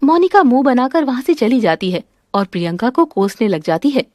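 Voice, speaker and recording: Woman, cartoon narrator, high voice, dry close sound, plain storytelling. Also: sing-song, fairly quick, a little mellow, no echo.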